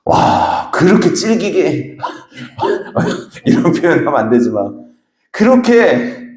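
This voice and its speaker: A man's voice: fairly high pitch, big pitch swings, takes it slowly, darkish tone. Emphatic male pastor in an echoey church. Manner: emphatic, exhorting, tells folksy anecdotes. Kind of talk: sermon. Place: church sanctuary.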